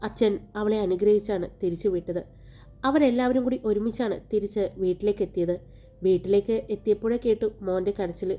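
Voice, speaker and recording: A woman narrating a romantic audiobook story in a calm, even way. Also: mid-range voice, fairly quick. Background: faint background music.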